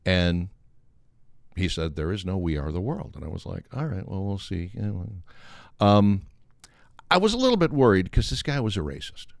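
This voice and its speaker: A man's voice: deep voice, moderate pace, gravelly, no room sound, studio quality. An older man telling a humorous anecdote in a casual, wry way, acting out the dialogue as he goes. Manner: animated, acts out quoted dialogue. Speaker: storyteller on a talk show.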